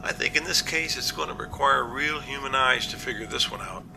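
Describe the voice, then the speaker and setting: A man playing an earnest, cautious captain in an amateur audio drama, reporting in a measured, matter-of-fact way. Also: mid-range voice, gravelly, noisy background, lightly acted. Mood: cautious, firm. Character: male captain, earnest, practical, cautious, plain-spoken.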